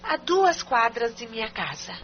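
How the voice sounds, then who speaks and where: An actress playing a fearful young wife who speaks hesitantly and with worry. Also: female voice, fairly high pitch, sing-song, unhurried. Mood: worried. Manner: hesitant, worried. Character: anxious young wife, fearful of her jealous husband. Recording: dull lo-fi radio recording with hum.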